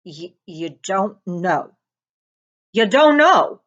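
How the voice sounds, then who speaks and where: A woman voicing a huge, gruff, hot-tempered wizard man from a storybook, blunt and emphatic, with drawn-out words. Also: mid-range voice, sing-song, highs cut off. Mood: bewildered.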